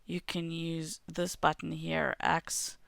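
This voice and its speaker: A woman in her thirties walks through game settings step by step, her voice low and gravelly from a cough. She talks into a headset mic at home, and the sound is close and dry, with the odd throat clear. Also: slow pace, no room sound. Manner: steady step-by-step explaining, clears throat now and then. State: has a cough. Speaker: game tutorial host. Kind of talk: screen-recorded game tutorial. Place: home room.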